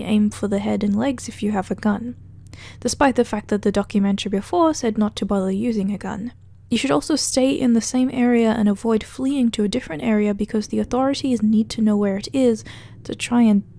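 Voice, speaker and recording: Higher-voiced woman, mellow, wry video essay narrator. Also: vocal fry. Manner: conversational, wry, sardonic asides. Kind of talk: casual narrated recap and commentary of a horror web series.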